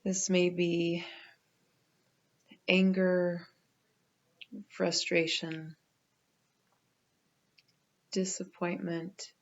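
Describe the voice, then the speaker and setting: A woman guides a meditation in a lowish, very even voice. She speaks gently and very slowly, leaving pauses between phrases. The recording sounds slightly muffled and lo-fi.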